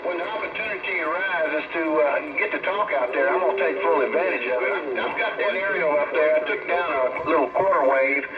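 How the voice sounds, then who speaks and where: A man's voice: on the high side, a little fast, few pauses, distant mic, a loud crowd. A folksy Texan man chatting casually as a radio operator, his voice coming over a CB radio link with colloquial turns of phrase. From Texas, USA. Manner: folksy, uses colloquial sayings. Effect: received over shortwave CB radio. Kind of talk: casual two-way radio chat. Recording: muffled, very noisy CB radio transmission.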